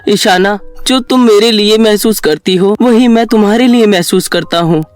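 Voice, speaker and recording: A man's voice: high voice, normal speed, clean tone, faint music behind, lightly acted. A man voicing an earnest, lovelorn young man who is dying, pleading dramatically in a cartoon story.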